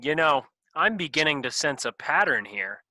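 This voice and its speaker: A woman plays a chummy regular fellow, low in pitch and lively in its swings. The delivery is folksy and a little tough, in a close, dry comedy reading. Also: moderate pace, dry recording, exaggerated voice. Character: folksy, chummy regular-guy party guest. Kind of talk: staged reading of comedy sketch.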